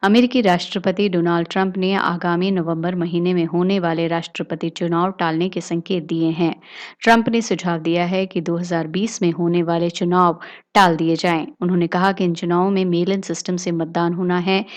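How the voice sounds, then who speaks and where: A woman talks in an ordinary speaking voice at a fairly low pitch, with fairly even intonation. She leaves hardly any pauses, and the background is quiet. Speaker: news presenter. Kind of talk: news bulletin read.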